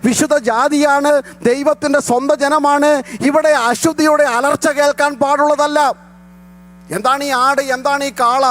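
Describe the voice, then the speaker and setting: A male pastor with a Malayali accent delivers a fervent sermon in a strikingly high voice. He breaks into English lines and calls out hallelujah again and again. A low mains hum runs under the recording. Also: a bit bright. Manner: fervent preaching, mixing in English, frequent hallelujahs.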